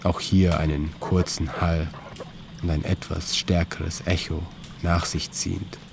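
Deep, flat-voiced male narrator. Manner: calm, slow, even storytelling in third person. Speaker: author-narrator of an audio piece. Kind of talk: scripted literary narration. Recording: clear ambient noise bed under the voice.

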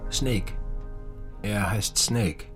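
A man's voice: lowish voice, drawn-out words, a bit bright, faint music behind. An actor playing a laid-back, enigmatic male barkeeper in a radio drama, laconic and unruffled. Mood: calm, laconic. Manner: laconic, unruffled, matter-of-fact. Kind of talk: naturalistic radio drama acting.

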